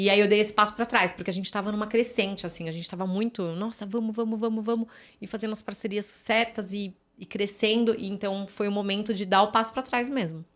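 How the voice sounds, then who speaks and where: A woman talks as a guest on a podcast. She is a physiotherapist, and she tells long stories in a loose, chatty way, full of fillers and little tag questions. Her pitch sits in the middle range. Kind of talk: casual podcast conversation.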